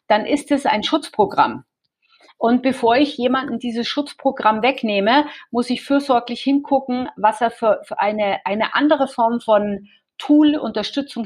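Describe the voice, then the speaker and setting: A woman's voice: a little high, husky. A woman, a guest author explaining her coaching method in an interview, hesitant with many fillers and restarts.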